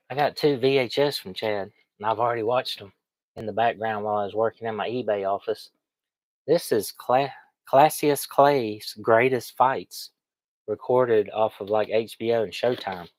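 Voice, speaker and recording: A man with a cold, slightly sniffly, chats in a folksy, rambling way to viewers. His voice sits fairly low. The sound is close and dry. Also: steady tone, moderate pace, dry recording. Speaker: online reseller streaming. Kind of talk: casual livestream chat.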